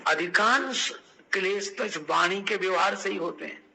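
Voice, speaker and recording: A man's voice: high voice, moderate pace, gravelly, pushed and bright, poor audio. An older man giving a devotional sermon, telling scripture stories, acting out quoted dialogue and breaking into chanted verse. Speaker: Ram Katha preacher.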